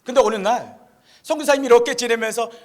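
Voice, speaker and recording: A male pastor preaching a sermon with a fairly high voice. He tells an illustrative story and puts questions to his listeners. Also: fast talker. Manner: storytelling, rhetorical questions to the congregation. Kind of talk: Christmas sermon.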